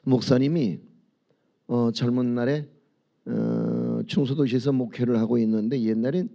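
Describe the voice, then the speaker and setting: A male pastor gives a dawn sermon in a church sanctuary, his voice dark and mellow at a middle pitch. He tells stories in a conversational way and keeps checking in with the congregation through rhetorical questions. He also leads the room in reading and prayer. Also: fairly even intonation, normal speed, vocal fry.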